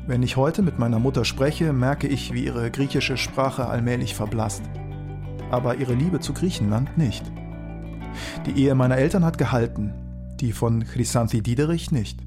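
German male documentary narrator, measured and reflective, read over guitar. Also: medium pitch. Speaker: author and narrator.

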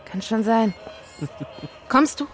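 A woman playing a pensive, uneasy babysitter who talks and narrates in a low-key, hesitant, natural way in a radio drama. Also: slow pace. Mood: musing, doubtful. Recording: music under the voice. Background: music.

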